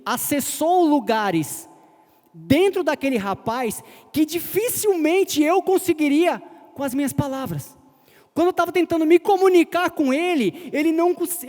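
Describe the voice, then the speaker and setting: A man's voice: extremely high pitch, expressive, normal speed, a little mellow. A man preaching a sermon, telling a personal story in a conversational way. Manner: conversational, retells a personal story acting out short quotes. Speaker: pastor. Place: church hall. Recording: long hall reverb.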